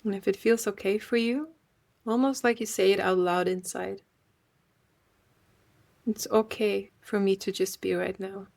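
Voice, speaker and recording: Female meditation guide, medium pitch, gentle and unhurried delivery with generous pauses. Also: fairly even intonation, creaky.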